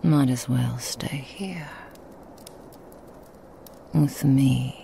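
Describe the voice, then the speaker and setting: A woman voicing a seductive, possessive female Krampus demon in a whispered ASMR roleplay, teasing and mocking in an intimate hush. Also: extremely low pitch, extremely slow, gravelly, a little hiss or hum, heavily acted. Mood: menacing.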